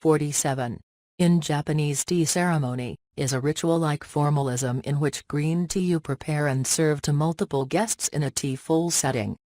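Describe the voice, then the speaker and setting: A man's voice: a little high, moderate pace, darkish tone, no echo, clean studio sound. A man reading scripted practice passages aloud in a stilted way, dropping some word endings.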